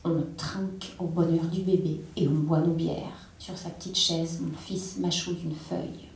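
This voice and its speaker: A woman giving an intense, measured literary reading on a theatre stage. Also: low voice, flat delivery, a little mellow, a little hiss or hum. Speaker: reader. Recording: echoey hall, distant mic.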